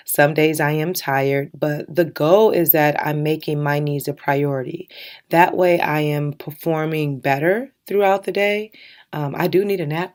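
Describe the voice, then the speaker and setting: A woman in her thirties hosting a solo self-help podcast, candid and encouraging, laughing now and then, her voice a little raspy from recording early in the morning. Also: sits low. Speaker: podcast host.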